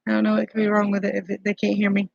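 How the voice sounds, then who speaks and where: A woman's voice: medium pitch, monotone, very fast, creaky, husky, no room sound. Chatty Southern woman on a dull phone live stream. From Southern United States. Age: 40s. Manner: chatty, greets viewers by name while soothing a grandbaby. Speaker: keto vlogger hosting a live stream. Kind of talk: casual live-stream chat.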